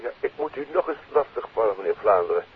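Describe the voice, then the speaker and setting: A man's voice: lowish voice, expressive, quick pace, husky. An actor playing a worried, apologetic doctor and father on a telephone in a 1950s radio drama. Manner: hesitant, apologetic. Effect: telephone filter. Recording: thin, tinny phone line.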